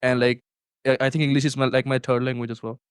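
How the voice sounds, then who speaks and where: A man's voice: mid-range voice, flat delivery, quick pace, clear, resonant tone, no echo, studio quality. A young man from Punjab, answering interview questions in a hesitant way, full of fillers and restarts. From Punjab, India. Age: young adult. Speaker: student interviewee.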